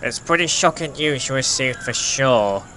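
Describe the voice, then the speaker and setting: A man's voice: mid-range voice, expressive, normal speed, pushed and bright, slight background noise, poor audio. A man playing a level-headed, encouraging flying hero with a matter-of-fact manner in an amateur audio drama. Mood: reassuring.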